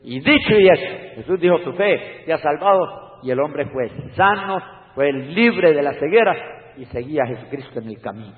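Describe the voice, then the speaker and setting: A man preaching an evangelistic sermon, swinging from shouted warnings to hushed pleading. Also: fairly high pitch, expressive, normal speed. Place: church hall. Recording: long hall reverb over tinny phone-like sound.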